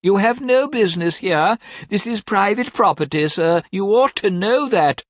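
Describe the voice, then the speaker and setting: A man's voice: high-pitched, expressive, moderate pace, no room sound, clean studio sound, voice pushed up. A man doing a fussy, simpering mother. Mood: prim fluster. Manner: prim, simpering, scolding. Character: fussy, vain middle-aged mother, flustered.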